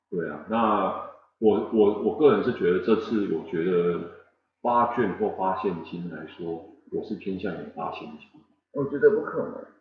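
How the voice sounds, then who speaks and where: A man's voice with big swings in loudness and audible room echo. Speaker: podcast co-host. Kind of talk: casual chat.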